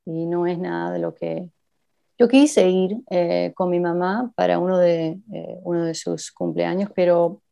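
An interview guest with a mixed Cuban and Argentine Spanish accent chats casually in a lowish, creaky voice with a clean tone, steady and a little slow. She hesitates often with fillers and slips in English phrases, and the lo-fi recording sounds dull.

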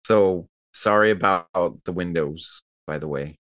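A man with a fairly low voice takes part as a player in a tabletop role-playing game. He speaks casually in character, as in an everyday group discussion. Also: measured pace, a bit bright, dry recording, clean studio sound.

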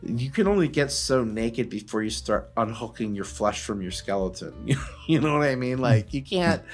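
A man's voice: mid-range voice, animated, normal speed, soft background music. A man podcast host chatting casually in a rambling, joking way. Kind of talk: casual chat.

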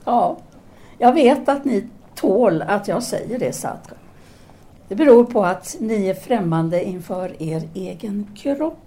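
An actress playing a cool, frank French intellectual woman in an audio drama, with measured, formal and composed delivery. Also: mid-range voice, animated, mellow, slight background noise, natural voice.

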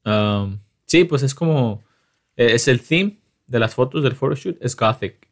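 A man with a Chicano accent chatting casually, switching between Spanish and English in a halting, slangy, profane way. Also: medium pitch, lively intonation. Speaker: photographer.

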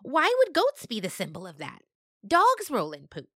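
A no-nonsense young goat who pokes holes in everything with incredulous questions, voiced by a woman. The pitch rides high and lively. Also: normal speed, no echo, studio quality, heavily acted. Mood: skeptical. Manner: incredulous, arguing. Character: young goat, skeptical and matter-of-fact.

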